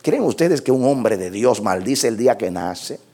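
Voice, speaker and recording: A man's voice: fairly low pitch, animated, normal speed, mellow. A man preaching a sermon, reading scripture aloud and commenting on it with rhetorical questions and repeated words for emphasis.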